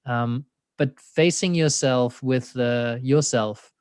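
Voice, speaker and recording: A man with a German accent, working as an existential coach, reflects as an interview guest, laughing frequently and saying "you know" a lot. He speaks slowly in a medium-pitched, smooth, slightly dark voice, with no room sound.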